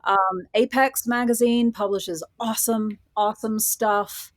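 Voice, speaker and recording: A woman's voice: on the high side, fairly even intonation, unhurried, dry recording. A woman speaking as a guest in a casual interview, reflective and articulate in an informal way. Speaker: guest, horror fiction writer.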